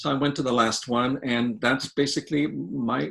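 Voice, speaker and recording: A man speaks with vocal fry and ordinary pitch variation. The recording is very clean, and the background is silent. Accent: Quebec. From Quebec City, Canada. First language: French. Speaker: theology professor. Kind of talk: interview. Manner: halting.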